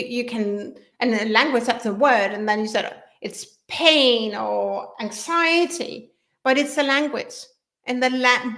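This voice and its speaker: Slow-speaking woman. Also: sits high, a bit bright. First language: Danish. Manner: earnest, repeats and restarts phrases. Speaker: business coach. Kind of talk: live workshop talk.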